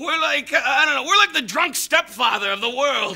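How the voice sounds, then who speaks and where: A man with an American accent speaks in a raised, projected voice. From United States. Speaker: comedian. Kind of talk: stand-up comedy on TV. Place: stage. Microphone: lapel.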